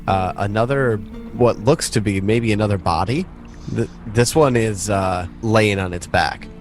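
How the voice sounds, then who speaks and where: Male game master, lowish pitch, improvised narration, conversational, hesitant phrasing, music behind. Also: measured pace.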